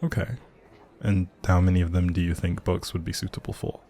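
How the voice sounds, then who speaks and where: A man's voice: sits low, level tone, a little fast, warm tone. A man playing a grumpy but secretly sweet young barista in an intimate audio roleplay, speaking straight to the listener in a teasing, wry, bookish way. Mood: curious, chatty. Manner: teasing, wry, hesitant asides.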